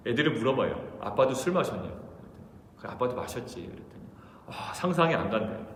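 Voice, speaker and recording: A middle-aged man preaches at a dawn service, slipping into the voices of the people in his stories. His voice rings through a large church hall with a long reverb and a faint hiss underneath. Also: mid-range voice. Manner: storytelling, acting out quoted voices. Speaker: pastor. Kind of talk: early-morning sermon. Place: church sanctuary.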